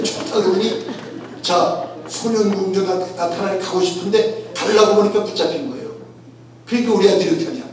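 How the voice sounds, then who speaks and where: A middle-aged pastor preaching a sermon, acting out a story with his son and firing rhetorical questions. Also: sits high. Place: church sanctuary. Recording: echoey church hall, far from mic.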